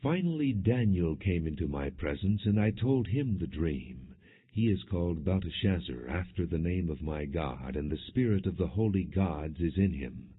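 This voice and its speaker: Deep-voiced man reading scripture, muffled audio. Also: lively intonation, husky. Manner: measured, solemn reading. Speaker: audiobook narrator. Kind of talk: scripted scripture narration, non-dramatized.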